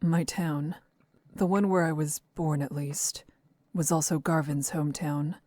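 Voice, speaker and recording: Low, mellow, composed woman traveler. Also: steady tone. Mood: subdued, wistful. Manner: measured, formal, restrained. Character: composed, reserved young woman traveler, quietly firm. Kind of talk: visual novel voice acting.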